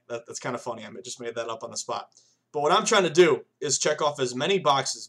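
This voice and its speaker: A man's voice: medium pitch, fairly bright tone. A man in his thirties hosting a sports betting podcast, talking casually and rambling, with many fillers, and calling his listeners "guys". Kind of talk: casual solo podcast monologue.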